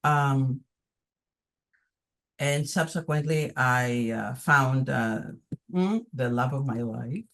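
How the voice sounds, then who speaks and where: An older woman from Greece with a Greek accent, answering audience questions on a video call with many pauses and ums. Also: extremely low pitch. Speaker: conference presenter answering questions.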